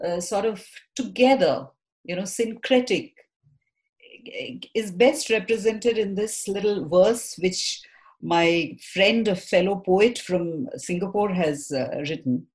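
A woman's voice: medium pitch, takes it slowly, darkish tone. A woman, a poet and theatre maker, answering interview questions thoughtfully and with frequent restarts. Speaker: poet and theatre practitioner guest.

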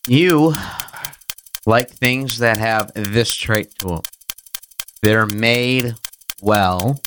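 A man's voice: lowish voice, very slow, fairly bright tone, slight background noise. A man co-hosting a casual podcast, giving word-game clues in a patient, prodding way. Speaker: podcast co-host.

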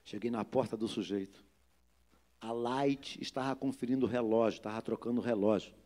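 A man with a Brazilian accent, a pastor preaching a sermon and telling a lively story, acting out the people in it. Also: mid-range voice, brisk.

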